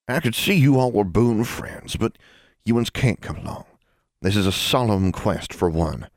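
A man's voice: lowish voice, expressive, normal speed, dry recording, clean studio sound, voice pushed up, lightly acted. A man voicing an old, imperturbable Ozark granny witch with firm, folksy dialect speech in a storybook reading.

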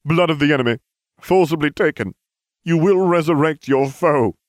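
A man voicing a solemn dark wizard servant, declaiming like an incantation in a storybook. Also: on the high side, normal speed, no echo, studio quality, voice pushed up, close to an everyday voice. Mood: fervent. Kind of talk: storybook character acting.

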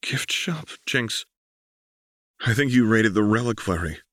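A man's voice: lowish voice, lively intonation, a little slow, a bit bright, no echo, studio quality, pitched above the performer's own voice. A man voicing a tough, desperate young woman fighter, a protective older sister, blunt and strained in an audiobook. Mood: wary. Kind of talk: audiobook character voice.

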